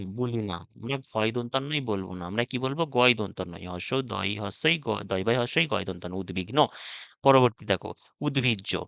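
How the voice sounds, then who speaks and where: A man's voice: mid-range voice, creaky, a bit bright, dry recording. A male teacher giving a spelling lesson for exam students, spelling each word out letter by letter and repeating it.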